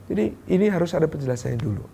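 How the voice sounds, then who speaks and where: A man from Yogyakarta giving a religious parenting talk to an audience in a hotel function room, lively and acting out parent and child dialogues. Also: fairly high pitch, racing, creaky, husky. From Yogyakarta, Indonesia. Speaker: Islamic preacher. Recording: echoey hall sound.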